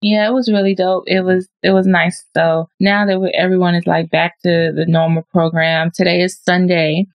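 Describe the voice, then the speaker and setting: A woman hosting a podcast, talking in a relaxed, laid-back casual chat. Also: lowish voice, normal speed, few pauses, dry recording, highs cut off. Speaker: podcast host.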